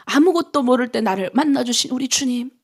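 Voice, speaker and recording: A middle-aged woman pastor from North Korea leads an early-morning prayer sermon. Her voice sits high with a gravelly, fried edge. She preaches fervently, sinking into hushed whispers and rising into pleading cries. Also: lively intonation, fairly quick.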